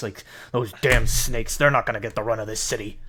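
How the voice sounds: A guttural, put-on character voice at a very fast pace. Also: man, medium pitch for a man.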